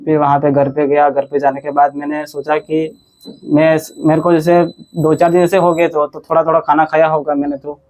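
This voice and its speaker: Flat-voiced young man telling a patient story. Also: on the high side. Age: 20s. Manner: rambling, halting, with frequent restarts. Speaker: patient giving a testimonial. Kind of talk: conversational interview storytelling.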